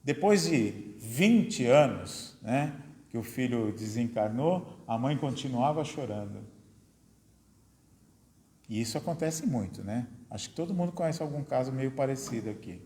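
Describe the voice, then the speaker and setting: A man's voice: medium pitch, expressive, unhurried, a little mellow. A man with a Brazilian Portuguese accent giving a spiritist lecture to an audience, talking conversationally, tagging his sentences with little questions and posing rhetorical ones. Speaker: lecturer at a spiritist study center. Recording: echoey hall with long reverb.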